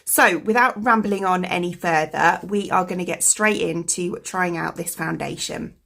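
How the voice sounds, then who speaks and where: A woman vlogging in a casual, rambling way, dropping fillers as she goes. Her voice sits fairly low and is gravelly and croaky from a cold. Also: normal speed, fairly bright tone. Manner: rambling, full of fillers like "like" and "you know". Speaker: beauty vlogger. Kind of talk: chatty product review.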